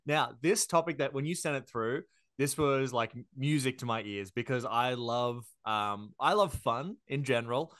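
A man's voice: medium pitch, moderate pace, fairly bright tone, dry recording, clean studio sound. A man hosting a podcast, friendly and enthusiastic, with the odd filler. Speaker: podcast host.

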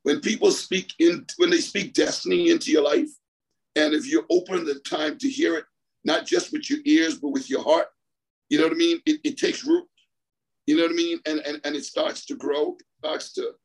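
A man's voice: on the high side, fairly even intonation, moderate pace, creaky, slightly rough, low-quality recording. A middle-aged man from the Bahamas, a track coach, telling his story in a rambling way over the phone, repeating himself and laughing often. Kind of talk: storytelling interview on a call.

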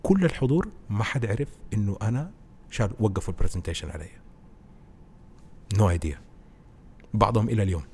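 A man, a podcast guest who explains presenting skills through animated stories in casual conversation. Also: lowish voice, fast talker, long pauses, a little hiss or hum. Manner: animated storytelling, explains with anecdotes.

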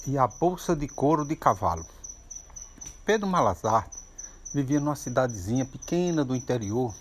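A man telling children's folk stories aloud in an animated way, with sound effects and asides. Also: medium pitch, a little hiss or hum. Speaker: storyteller. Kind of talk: oral children's storytelling.

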